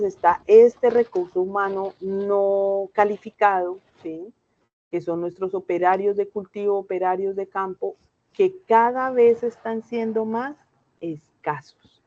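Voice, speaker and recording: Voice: medium pitch, darkish tone. A Colombian instructor giving an online class lecture in a conversational way, often checking in with the students. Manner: conversational, checks in with frequent "right?" tags. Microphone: video call. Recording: slightly muffled online call audio.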